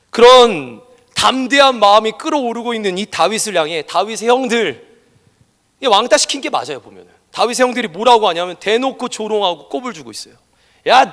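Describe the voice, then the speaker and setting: A man preaching a sermon as pastor, animated and emphatic, acting out the voices he quotes. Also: high-pitched. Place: church education hall. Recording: reverberant church hall.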